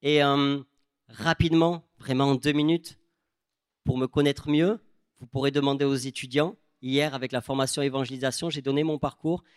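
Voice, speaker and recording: Preacher from southern France, southern accent. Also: male voice, medium pitch, normal speed, clear, resonant tone, no echo, clean studio sound. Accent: southern French. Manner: animated storytelling, quoting people in changed voices. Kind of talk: sermon.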